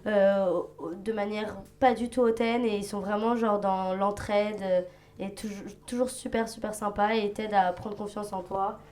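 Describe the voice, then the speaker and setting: A woman's voice: medium pitch, fairly even intonation, normal speed, darkish tone, roomy sound. A woman from France, a guest in a casual interview, talking in a chatty, enthusiastic way. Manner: chatty, enthusiastic, keeps saying "c'est ça". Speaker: guest, stylist and actress.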